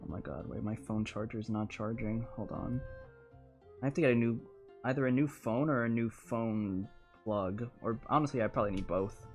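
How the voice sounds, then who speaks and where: A woman's voice: rumbling low, moderate pace, darkish tone, soft background music. A woman livestreaming a game with casual, rambling, exclamatory commentary. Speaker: game streamer.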